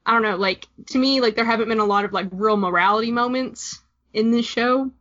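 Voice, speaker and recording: A woman's voice: fairly high pitch, fairly quick, a bit bright. Rambling woman saying "like" constantly. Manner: rambling, heavy use of "like", hesitant. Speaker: podcast co-host. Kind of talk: casual podcast chat. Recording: dull lo-fi recording.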